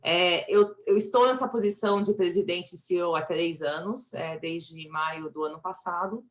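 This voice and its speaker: A woman's voice: on the low side, normal speed. A woman with a Brazilian accent, a chief executive presenting her company on a business panel.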